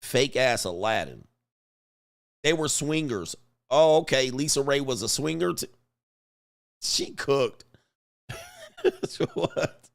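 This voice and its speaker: A man's voice: mid-range voice, very animated, slow pace, vocal fry, long pauses. A middle-aged man from Southern California, hosting a casual livestream and reading viewer super chats with laughing, mocking asides.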